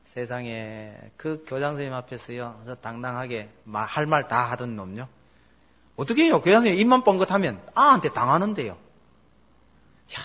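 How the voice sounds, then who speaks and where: A middle-aged man preaching a sermon as pastor, telling stories and asking the congregation questions. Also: mid-range voice. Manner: animated storytelling, asks the congregation questions.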